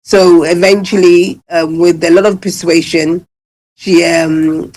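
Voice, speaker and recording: A woman's voice: lowish voice, fairly even intonation, slow, a little mellow, low-quality recording. A woman in her fifties, originally from Ghana, talking as a guest in a casual radio interview and telling her story at length with many fillers. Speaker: guest, salon owner.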